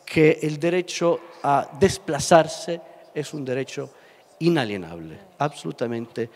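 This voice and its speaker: On a stage panel in a large indoor hall, a middle-aged Sicilian man speaks into a handheld microphone, his voice a little high and a little mellow, echoing in the reverberant space. A native Italian speaker with an Italian accent, he talks with passion and emphasis but stalls on fillers and repeats words.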